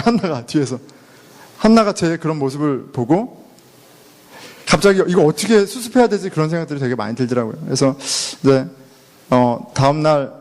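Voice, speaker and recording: A man's voice: on the high side, darkish tone. A middle-aged man preaching a casual, chatty sermon as a pastor, self-deprecating and laughing often, dropping English words into his talk. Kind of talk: conversational sermon. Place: church sanctuary. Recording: long church reverb.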